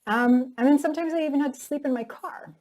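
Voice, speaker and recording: A North American actress being interviewed tells her own story candidly and reflectively, often dropping in "like" and "you know." She speaks fast in a high voice with a darkish tone.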